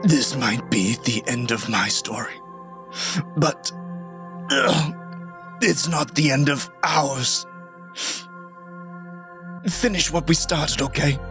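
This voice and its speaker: A man playing a loyal, brave comrade who is dying, speaking weakly and tenderly with strained breath in an animated drama. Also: a little high, slow, pauses often, over music. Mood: tender farewell. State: weak, breathy, coughing.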